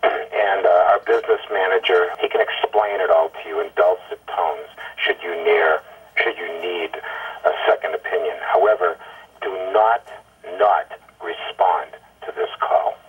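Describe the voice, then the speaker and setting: An exasperated, profane man leaving rambling, irate voicemails over the phone, halting and stammering over repeated words. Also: low-pitched, steady tone, slightly rough. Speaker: caller leaving voicemail messages. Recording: tinny, muffled telephone voicemail line.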